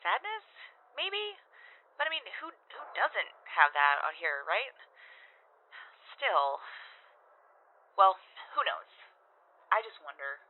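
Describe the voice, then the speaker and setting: A woman's voice: medium pitch, sing-song, slow, pauses often. A woman playing a plucky, self-conscious young working gal in an audio drama, rambling chattily through a radio or telephone filter. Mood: musing, smitten. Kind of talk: full-cast audio drama acting. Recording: tinny, phone-like radio message.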